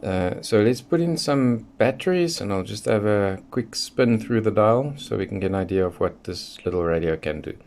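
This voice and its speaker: A man giving a casual, unscripted product review in a measured, matter-of-fact way with pauses between short phrases. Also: lowish voice, expressive, vocal fry, darkish tone, a little hiss or hum. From South Africa. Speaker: radio hobbyist presenter.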